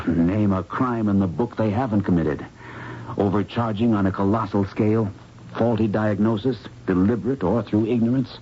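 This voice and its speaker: An actor playing an earnest, protective investigator with a wry, grave manner in a 1970s radio drama. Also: male voice, on the low side, moderate pace, lightly acted. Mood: grim, wry. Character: earnest protective male investigator doctor in love. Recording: muffled noisy old radio recording.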